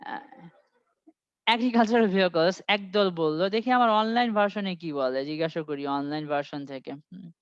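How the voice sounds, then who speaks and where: A man runs an IELTS class online, drawing out English sentences slowly and firing questions at his students. The audio is dry and dull, with a lo-fi, muffled sound. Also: sits high, smooth, no room sound. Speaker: IELTS tutor.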